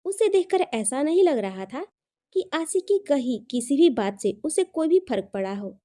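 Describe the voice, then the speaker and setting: A woman's voice: high voice, sing-song, moderate pace, dark tone. A woman narrating a scripted romantic drama as an audio storyteller.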